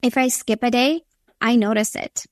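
Woman, Minnesota accent, guest, earnest, encouraging, higher voice, dry sound. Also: steady tone, moderate pace, no echo. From Latvia. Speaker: podcast guest. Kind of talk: conversational interview.

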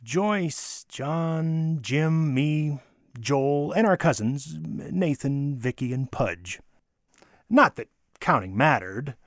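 A man giving a theatrical, expressive dramatic reading of a childhood holiday memoir, with wonder and deliberate pauses. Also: a little high, no echo, studio quality. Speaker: storyteller. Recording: music under the voice. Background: music.

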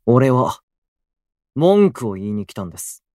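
An actor playing a gloomy, prickly, self-deprecating young station worker in a voice drama, with blunt, grumbling delivery. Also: male voice, mid-range voice, big pitch swings, unhurried, darkish tone, no echo, studio quality. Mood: defiant. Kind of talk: Japanese voice drama acting.

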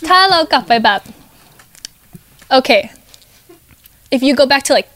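A woman with a slightly high voice, a guest on a podcast, talking casually. She moves freely between Thai and English mid-sentence. She laughs easily as she explains her answers. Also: animated, extremely slow, a bit bright, a little hiss or hum. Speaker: guest, beauty pageant contestant. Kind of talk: casual interview chat.

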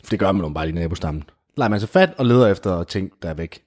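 A man telling an improvised comic story in casual chat, animated and full of fillers. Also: low-pitched. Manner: animated, jumps into character voices, many fillers like "du ved".

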